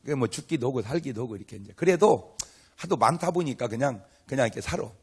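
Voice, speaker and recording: A man's voice: mid-range voice, lively intonation, quick pace, a little mellow, breathy edge. An older man, a pastor, preaching a humorous revival sermon to a live congregation in a chatty, story-telling way, acting out dialogue and asking the crowd questions. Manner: asks the audience questions and banters with them.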